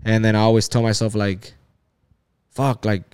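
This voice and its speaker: A man's voice: fairly low pitch, little pitch movement, moderate pace, darkish tone, clean tone. A man in his thirties in a casual chat, rambling along with lots of swearing and filler words. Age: 30s.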